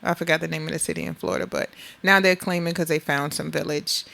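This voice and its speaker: Low-voiced woman with a Southern Black accent. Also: fairly even intonation, fast talker, gravelly, pushed and bright. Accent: Southern Black American with Gullah Geechee influence. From Beaufort, South Carolina, United States. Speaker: interview guest. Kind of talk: conversational interview storytelling.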